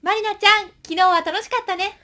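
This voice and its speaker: A young woman playing a friendly, eager high-school senior girl in an amateur radio drama. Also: fairly even intonation, a little fast, a bit bright. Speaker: student radio drama actor. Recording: faint background ambience noise.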